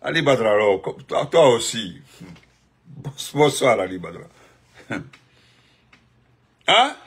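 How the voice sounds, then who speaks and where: A man talks in a husky, tense voice that sits a little high. He rambles through live political commentary, repeating his points with emphasis and greeting his viewers by name along the way. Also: fairly bright tone. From Guinea. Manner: emphatic, repetitive, jumps between topics and greetings.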